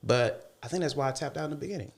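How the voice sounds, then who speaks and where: A man's voice: mid-range voice, racing. A young man from Alabama, a podcast guest talking over his business goals in a reflective way, with many fillers and restarts. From Alabama, USA. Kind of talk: casual conversation.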